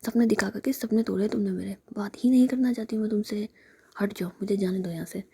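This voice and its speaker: A woman voicing a sharp-tongued, angry young female employee in a whispered role-play story. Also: medium pitch, brisk, slight background noise, close to an everyday voice. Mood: threatening. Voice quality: breathy whisper.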